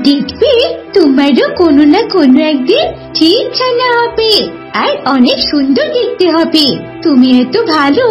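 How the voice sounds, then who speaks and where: A woman voicing gentle, motherly talking animals in a children's cartoon, with an expressive sing-song delivery. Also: very high voice, muffled recording, heavily acted. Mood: sweet, concerned.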